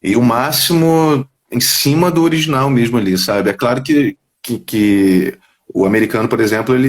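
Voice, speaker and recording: Fast, lively Rio voice actor. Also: male voice, mid-range voice. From Brazil. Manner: quick, animated storyteller, drops into quoted voices. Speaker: voice actor guest. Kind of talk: casual interview chat. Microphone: headphones on a video call.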